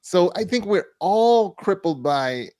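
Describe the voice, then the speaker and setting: A man co-hosting a mental health talk show, answering a viewer's question in a measured way and repeating key phrases for emphasis. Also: high-pitched, expressive, mellow, no room sound.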